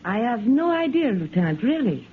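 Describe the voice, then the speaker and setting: A woman's voice: a little high, big pitch swings, moderate pace. An actress playing a composed, formal young woman in a 1950s radio drama. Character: poised young woman posing as a wife. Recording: tinny, hissy 1950s radio broadcast.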